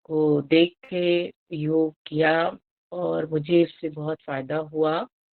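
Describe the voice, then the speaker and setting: Her voice is very deep and low in pitch. The woman speaks in a monotone, flat way. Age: 70s. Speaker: Ayurvedic doctor, yoga practitioner. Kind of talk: guest talk in online session. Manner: hesitant, many fillers.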